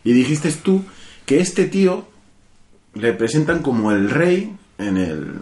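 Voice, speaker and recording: A man's voice: medium pitch, big pitch swings, slow, darkish tone. A man hosting a casual film podcast, insistent and swearing freely. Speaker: podcast host discussing a film.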